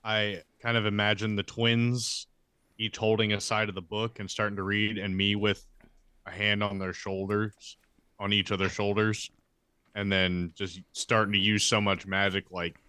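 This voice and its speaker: A man's voice: lowish voice, level tone, measured pace, bright, forceful tone, clean tone, no room sound. A man playing a tabletop game, casually improvising and describing what his character does.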